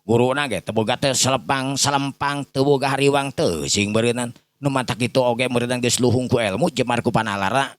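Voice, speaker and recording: A man's voice: mid-range voice, a little fast, no room sound, clean studio sound. A man with a Sundanese accent telling a folk tale informally, rambling and repeating himself as he addresses his listeners. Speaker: storyteller.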